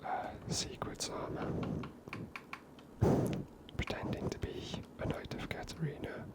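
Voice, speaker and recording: Soft whispering game commentator. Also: unhurried. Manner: soft, hesitant, musing with fillers. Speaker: gaming ASMR channel host.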